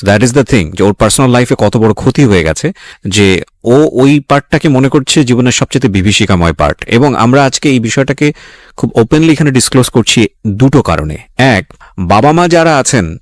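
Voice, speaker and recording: A man's voice: medium pitch, expressive, moderate pace, no echo. A male radio host speaking earnestly on a late-night call-in show, appealing directly to parents and young listeners.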